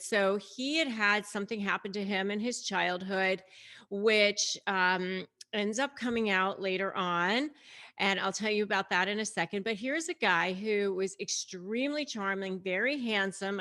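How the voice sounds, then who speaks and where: A woman's voice: medium pitch, sharp tone. A woman host giving casual, explanatory commentary, speaking conversationally and emphatically straight to her audience. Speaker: host and coach giving advice on narcissists. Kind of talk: casual explanatory commentary to camera, retelling a story.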